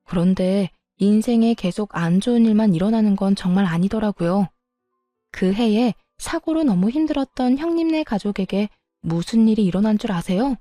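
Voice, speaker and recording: A young woman narrates her family story as if confiding to a friend, with a gossipy lilt. Her voice is warm and mellow. The recording is dry and close. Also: mid-range voice, no room sound.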